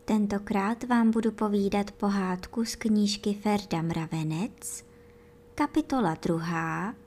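A woman reading a children's bedtime story aloud, gently and with lively storytelling, speaking straight to the young listeners. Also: medium pitch.

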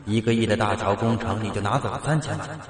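A furious male ghost , as a man puts him on in a spooky storybook reading, snarls out his grievances. His voice booms back with heavy echo and a long reverb, as if from far away. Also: fast. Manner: snarling, grabbing accusations. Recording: echoey reverb, distant-sounding voice.

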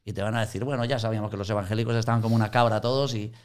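A man's voice: on the low side, racing, clear, resonant tone. A man in conversational teaching on Christian mission, telling anecdotes and acting out quoted voices. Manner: animated storyteller, acts out quoted voices.

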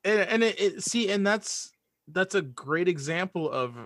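A man's voice: high-pitched, expressive, measured pace, a bit bright, no echo. A man speaking as a podcast guest, casually and earnestly giving opinions and repeating phrases for emphasis.

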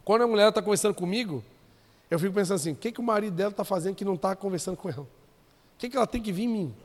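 A man's voice: high voice, expressive, racing. A man preaching as a pastor, joking and calling out to the congregation. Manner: conversational, joking, calls out to the congregation. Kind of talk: sermon. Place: church hall. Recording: long reverb of a church hall.

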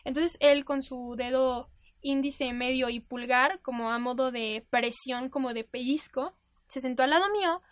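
High-voiced young Mexican woman. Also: dry recording, studio quality. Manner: candid, animated storytelling. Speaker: speaker telling a personal story. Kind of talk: personal testimony to an audience.

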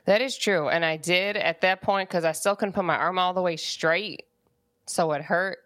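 A woman's voice: lowish voice, steady tone, moderate pace, a bit bright, no room sound, studio quality. A young woman co-hosting a podcast, chatting casually and acting out bits of dialogue as she tells a story. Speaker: podcast co-host. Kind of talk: casual chat. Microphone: studio podcast mic.

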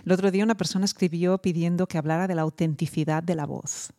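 A woman's voice: on the low side, fairly even intonation, quick pace, dark tone. A woman hosting a voice podcast and chatting casually, with frequent restarts and tag questions. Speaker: podcast host and voice coach. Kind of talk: casual conversational interview.

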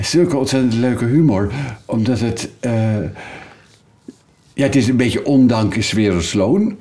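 An older man, a guest voice actor, telling stories in a relaxed interview, hesitant with many fillers. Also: mid-range voice.

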